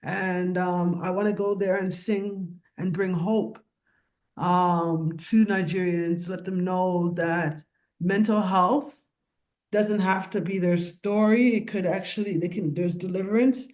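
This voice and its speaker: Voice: mid-range voice, fairly even intonation, slow, darkish tone. Upbeat podcast host in their forties. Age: 40s. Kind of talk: casual interview chat.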